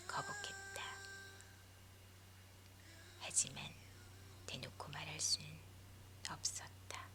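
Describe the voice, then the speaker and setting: A woman leaning in to whisper a story for sleep in a hushed, breathy ASMR narration. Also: sits low. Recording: music behind the voice. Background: music.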